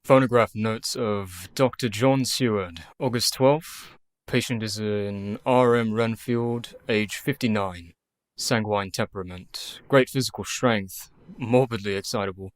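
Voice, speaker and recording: An actor playing an asylum doctor who dictates patient notes in a crisp, clinical way in a radio play. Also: male voice, lowish voice, a little slow, dry recording, clean studio sound, lightly acted.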